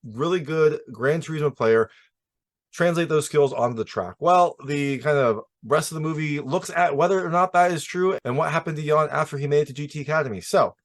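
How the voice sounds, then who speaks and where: A man's voice: fairly high pitch, brisk. A man hosting a casual, opinionated film review, talking emphatically and introducing his points with repeated set phrases.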